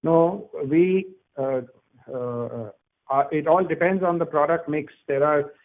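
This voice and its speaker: A man's voice: fairly high pitch, slow pace. A man, a company executive explaining and answering questions on a conference call, often hesitating and restarting phrases. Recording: muffled narrow-band phone line.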